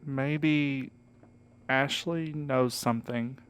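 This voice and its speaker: Earnest male courier played by an actor, resonant and clear, casual and coaxing, for a fiction podcast. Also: mid-range voice, steady tone, extremely slow, fairly bright tone. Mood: earnest, subdued. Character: easygoing, encouraging male courier, earnest and folksy. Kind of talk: scripted audio drama acting.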